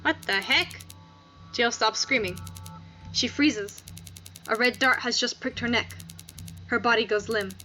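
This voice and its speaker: Bright, high-voiced woman reading a game. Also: a little slow, long pauses, soft background music, low-quality recording. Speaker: host reading a visual novel game aloud. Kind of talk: narration read aloud, with casual asides.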